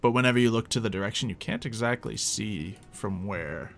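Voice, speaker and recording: A man's voice: on the low side, brisk, vocal fry, a bit bright. A man casually narrating an online tabletop roleplay game as game master, in an informal storytelling way. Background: music.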